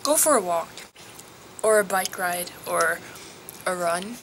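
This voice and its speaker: Soft-spoken teen girl, outdoors. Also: on the low side, lively intonation, slow, background noise. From Norway. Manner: soft, hesitant, drops to a whisper at times. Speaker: vlogger. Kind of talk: casual advice vlog.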